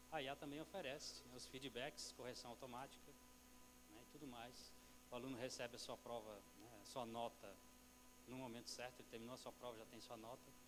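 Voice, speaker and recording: A man talks at a fairly quick pace with fairly even intonation. Long pauses come often. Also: medium pitch for a man. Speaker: university professor on a panel. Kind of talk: panel presentation. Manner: soft-spoken.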